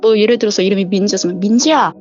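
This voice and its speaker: Lively woman telling a ghost story. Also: mid-range voice, normal speed, highs cut off, faint music behind. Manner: vivid storyteller who acts out quoted voices. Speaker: flight attendant sharing a viewer story.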